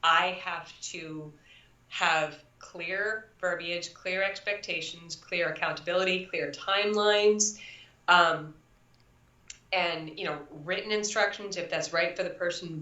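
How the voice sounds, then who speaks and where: A woman chiropractor, appearing as a guest in a live online interview over video call, coaches new practitioners emphatically and acts out quotes. Her voice is fairly low with a sharp tone, and the audio sounds echoey, distant, and dull.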